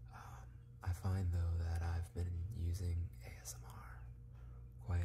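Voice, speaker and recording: Against noticeable background noise, a man with a very deep, low pitch speaks very slowly, using lively intonation. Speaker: ASMR creator. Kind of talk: ASMR video intro talk. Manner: soft-spoken, calm.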